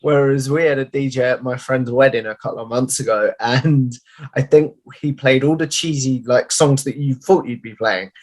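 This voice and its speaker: Chatty young podcast host. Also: male voice, mid-range voice, moderate pace, darkish tone. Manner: chatty, friendly questioning with "like" fillers. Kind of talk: casual interview chat. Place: home room. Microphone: headset on video call.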